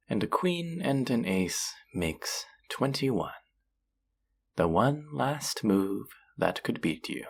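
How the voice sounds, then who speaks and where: A woman voices a seductive demon dealer from an underworld casino in an audio roleplay. The voice sits low and crackles with fry, lingering unhurriedly over each tease. The delivery is flirty, possessive and taunting, sliding up and down as if toying with a captive player. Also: heavily acted. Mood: confident, possessive. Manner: slow, teasing, flirtatious, taunting. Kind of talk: flirty roleplay audio drama, intimate one-on-one.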